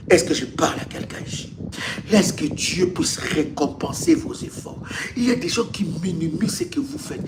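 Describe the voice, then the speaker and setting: Emphatic preacher man with a gravelly voice. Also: sits high, noisy background. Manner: emphatic preaching, repeating phrases to the congregation. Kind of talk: live sermon.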